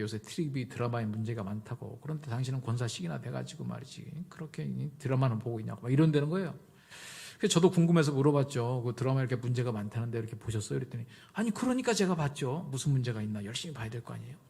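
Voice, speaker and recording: A man's voice: mid-range voice, rapid-fire, vocal fry, darkish tone, breathy edge. A middle-aged male pastor giving a conversational sermon, telling stories and acting out both sides of the dialogue. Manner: conversational storytelling, acts out dialogue.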